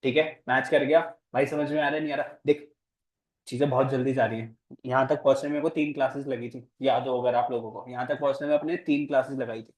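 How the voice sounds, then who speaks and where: A man's voice: mid-range voice, steady tone, quick pace, a little mellow. A man teaching commerce in a classroom, playful and teasing, quizzing his students with speech. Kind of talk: classroom lecture.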